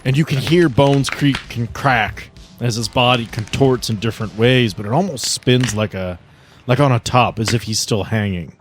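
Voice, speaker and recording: A man runs a tabletop role-playing game as its game master, describing the action and ruling on moves in a mid-pitched voice. Light music plays behind him. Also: normal speed. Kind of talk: improvised game narration and rulings.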